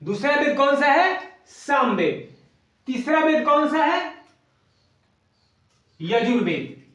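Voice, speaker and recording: A man teaching an exam coaching lesson, asking questions and then repeating the answers slowly. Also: very high-pitched, big pitch swings, a bit bright, far from the mic. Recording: echoey room, voice away from mic.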